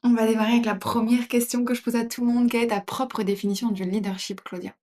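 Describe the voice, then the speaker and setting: Woman host, talks quick, friendly interview questions. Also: on the high side, level tone, dark tone. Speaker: podcast host.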